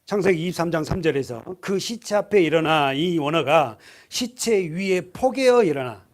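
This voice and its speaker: A man's voice: a little high, normal speed. A male pastor preaching a sermon to his congregation, asking them questions and acting out voices. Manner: lively, asks the congregation questions, acts out voices.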